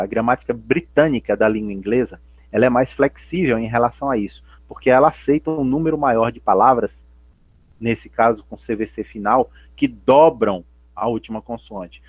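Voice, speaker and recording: Patient teacher, husky voice. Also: male voice, medium pitch, no room sound. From Brazil. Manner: patient, repeats and spells out points, asks and answers himself. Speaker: English teacher. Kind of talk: remote class explanation.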